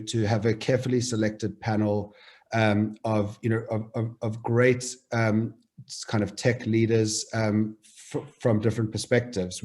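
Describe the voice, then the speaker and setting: Low, flat-voiced male moderator. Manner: many ums and restarts, friendly. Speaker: panel moderator. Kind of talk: hesitant online panel moderating.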